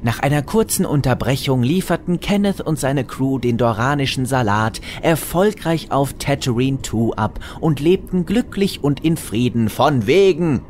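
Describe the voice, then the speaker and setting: A man's voice: medium pitch, animated, measured pace, hardly any pauses, a little mellow, a little hiss or hum. A man narrating a scripted comic story in a wry, tongue-in-cheek manner.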